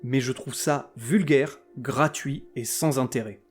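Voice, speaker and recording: A man's voice: mid-range voice, measured pace, soft background music. A man hosting a podcast who reviews TV series in a scripted comic style, full of sarcasm, crude words and mock outrage. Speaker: podcast host.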